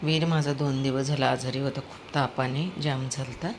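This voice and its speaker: A woman's voice: very deep voice, steady tone, moderate pace. A woman narrating a casual vlog outdoors in the rain while walking her dog and chatting to viewers. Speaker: dog owner vlogger. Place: outdoors on a rainy street. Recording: noisy outdoor street recording. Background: street noise with passing vehicles.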